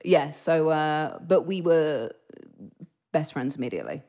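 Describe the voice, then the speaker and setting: British woman chatting on a podcast, bit of fry in her voice, laughs at herself a lot. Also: low-pitched, animated, a little slow, mellow. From Britain. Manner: chatty and self-deprecating, with many fillers and restarts. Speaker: actress guest. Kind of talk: casual podcast chat. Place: remote or studio podcast recording.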